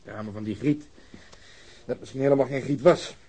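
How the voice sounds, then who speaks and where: A man's voice: mid-range voice, moderate pace, dark tone, husky. A man playing a dry, mocking, easygoing police detective in a radio drama, with a wry, casual manner. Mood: curious.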